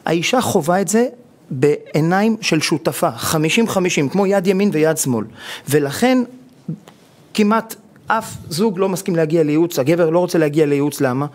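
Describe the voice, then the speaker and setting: A rabbi on a TV talk show explaining marriage advice and acting out quoted husbands and wives as he tells stories. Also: fairly high pitch. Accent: Israeli Hebrew. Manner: animated storytelling, acting out quoted spouses. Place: television studio.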